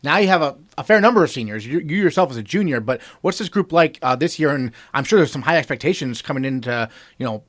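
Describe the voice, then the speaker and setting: Man, American accent, fairly high voice, rapid pace, casual sports podcast interviewer. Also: lively intonation.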